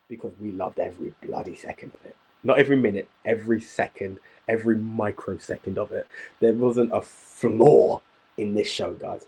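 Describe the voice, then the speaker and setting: A man's voice: medium pitch, a little mellow, slightly rough, rough recording. A man hosting a wrestling review show, speaking emphatically and repeating himself for emphasis. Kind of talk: casual podcast chat.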